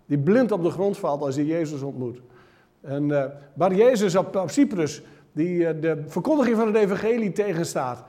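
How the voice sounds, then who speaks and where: A man preaching a sermon, telling a Bible story with animated, dramatic shifts between loud and soft. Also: on the high side, moderate pace. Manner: animated storytelling, acts out the crowd's hushing in a raised voice.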